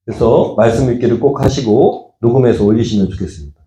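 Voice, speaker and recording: A man's voice: mid-range voice, fast talker, dark tone. A middle-aged man preaching a sermon as pastor, talking to the congregation in a conversational way and acting out the voices he quotes. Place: church sanctuary. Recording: echoey church room.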